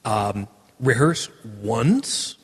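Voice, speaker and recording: A man hosting a casual podcast chat, talking with animated enthusiasm and frequent restarts. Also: medium pitch, drawn-out words, breathy edge, in a large hall. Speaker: podcast host.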